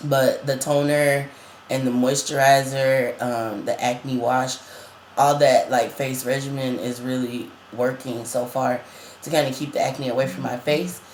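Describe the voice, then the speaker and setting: A trans man chats easily and laughs often, with plenty of ums along the way. His voice sits at a middling pitch and cracks now and then. The sound is roomy and echoey, with a faint hum behind it. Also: fairly even intonation, slow pace. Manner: chatty, laughs often, many fillers. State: voice cracking, going up and down. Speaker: vlogger. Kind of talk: casual chat.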